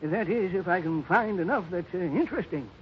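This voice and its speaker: A man's voice: sits high, brisk, close to an everyday voice. An actor playing a mild, folksy, hesitant old man in a 1950s radio drama. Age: older. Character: folksy little old man, pleasant-faced, secretly murderous. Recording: muffled, noisy old radio recording.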